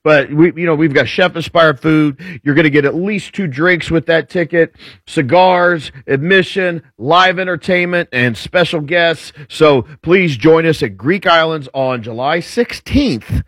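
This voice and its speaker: A man's voice: on the high side, unhurried, a bit bright, no echo. A man in his forties co-hosting a casual radio show, rambling easily through event plugs. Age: 40s. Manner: easygoing, rambling. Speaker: co-host. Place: radio studio.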